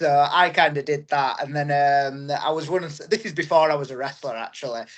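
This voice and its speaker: Speaking at a fairly quick pace, a man with an ordinary speaking voice holds a fairly high pitch and fairly even intonation. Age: 30s. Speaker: professional wrestler and promoter. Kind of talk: podcast interview. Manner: casual, many fillers.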